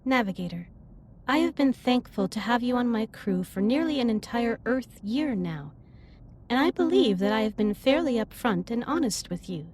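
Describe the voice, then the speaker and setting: A woman playing a caring, earnest alien starship captain in a sci-fi roleplay audio drama, speaking in formal, precise, measured sentences. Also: on the high side, expressive, darkish tone, slight background noise, lightly acted. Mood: earnest, apologetic. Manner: formal, precise, stilted wording with measured delivery. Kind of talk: scripted roleplay audio drama, intimate one-sided dialogue.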